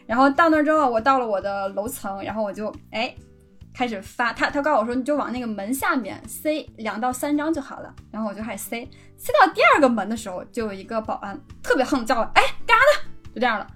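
A young woman podcast host telling a story in a casual chat, animated and laughing often. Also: fairly high pitch, fast talker, soft background music.

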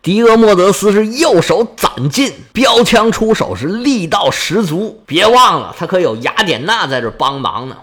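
A man's voice: high voice, very animated, moderate pace, hardly any pauses, a bit bright. A man telling an epic tale in dramatic oral storytelling style, vivid and chatty with asides to listeners.

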